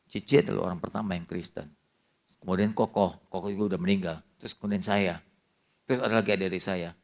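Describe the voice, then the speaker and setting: An older male pastor preaching with a fairly low voice. He tells a family story in lively dialogue and drops casual slang in among the formal words. The delivery stays lively and personal throughout. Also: fast, vocal fry. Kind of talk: sermon.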